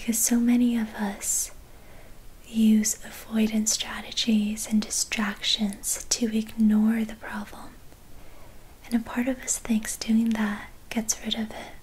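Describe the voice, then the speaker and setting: Monotone, flat intonation at a very slow pace. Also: woman. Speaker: wellness guide. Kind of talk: guided tutorial. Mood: warm, gentle, encouraging. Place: home room.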